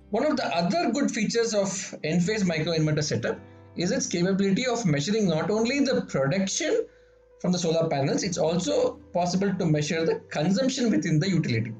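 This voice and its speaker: A man's voice: high-pitched, darkish tone, echoey room. A man, a solar engineer, steadily explaining a monitoring app in a voice-over.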